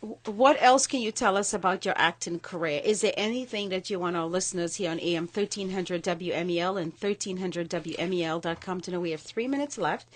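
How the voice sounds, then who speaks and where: A woman's voice: on the low side, brisk, few pauses. A woman hosting a radio talk show, chatty and conversational. She asks long, winding questions. She grew up outside the United States. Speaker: radio host.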